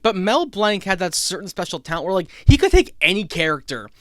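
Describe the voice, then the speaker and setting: A man's voice: sits high, big pitch swings, a little fast, dry recording, studio quality. A man from the Caribbean hosting a casual animation commentary, chatty and rambling. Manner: chatty, rambling, laughs often. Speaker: host.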